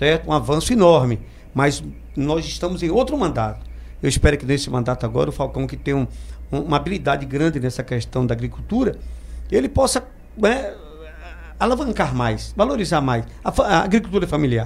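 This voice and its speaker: A man at a fairly quick pace, with long, frequent pauses. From Bahia, Brazil (Rio Real, rural interior). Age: 50s. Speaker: cultural event producer. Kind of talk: casual chat. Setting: live-streamed podcast.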